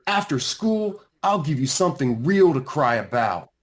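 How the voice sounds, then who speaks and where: Man voicing a jeering schoolboy bully, raised pitch. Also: very animated, normal speed. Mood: mocking, threatening. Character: mean taunting schoolboy bully.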